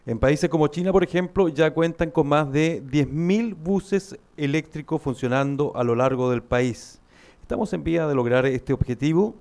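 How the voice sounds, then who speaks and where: A man's voice: medium pitch, a little mellow. A man moderating a conference, giving formal introductions of the speakers. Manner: formal, announcing. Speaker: event moderator.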